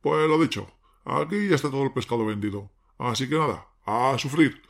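A man's voice: medium pitch, expressive, fairly quick, vocal fry. A man playing a devilish podcast host from hell, teasing listeners in colloquial, casual speech. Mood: mocking, casual. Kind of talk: casual in-character podcast sign-off.

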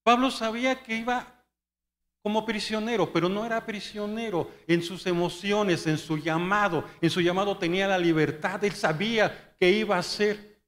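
A man preaching a sermon in a church, retelling a story in a quick, conversational way and acting out the lines of the people in it. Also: sits high, steady tone, a bit bright. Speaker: pastor. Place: church hall. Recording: long hall reverb.

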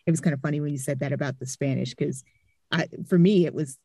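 Woman host, low-pitched, relaxed and curious, interview chat, dry recording. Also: quick pace, slightly rough, no echo. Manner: relaxed, curious, asks follow-up questions. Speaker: podcast host.

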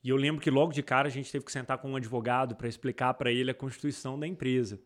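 Speaking very fast at a medium pitch, a Brazilian man with a Brazilian Portuguese accent tells stories as a guest in a casual interview. He's an entrepreneur who rambles, keeps restarting, and retells events with animation.

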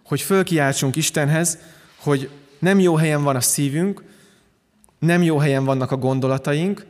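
Man preaching in a reverberant hall. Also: fairly high pitch. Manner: calm, earnest preaching with frequent restarts. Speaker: pastor. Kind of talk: sermon.

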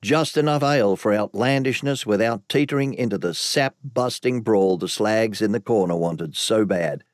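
A man's voice: fairly low pitch, moderate pace, few pauses, no echo, studio quality. Man narrating an audiobook. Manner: first-person, even storytelling.

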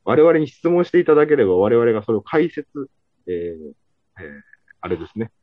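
A man with an Ibaraki accent, hosting a casual podcast chat with quick jokes and frequent laughter. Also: mid-range voice, big pitch swings, dry recording, phone-quality sound. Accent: Ibaraki dialect. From Ibaraki, Japan. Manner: quick, joking, laughing often. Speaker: podcast host.

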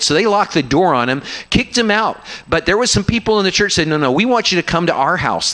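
A man preaching a sermon to a congregation, teaching with lively asides and asking them questions to draw them in. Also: fairly high pitch. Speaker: university guest preacher.

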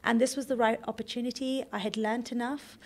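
A young adult woman from Kenya, a startup founder, answering interview questions in a relaxed, conversational way with occasional fillers. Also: fairly high pitch, a little fast. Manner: conversational, explains at length with fillers and restarts.

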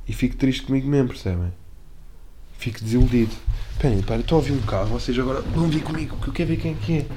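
A man's voice: medium pitch, dark tone. Rambling young Portuguese man podcasting solo. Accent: Portuguese (European). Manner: rambling, self-mocking slangy chatter. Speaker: podcast host. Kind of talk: solo casual podcast monologue.

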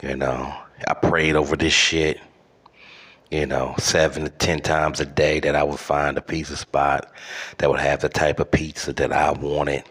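Casting note: very low-voiced male podcast host, slow profane comic rant, exasperated. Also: fairly bright tone. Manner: profane, exasperated ranting with stammered repeats. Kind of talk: comedic rant.

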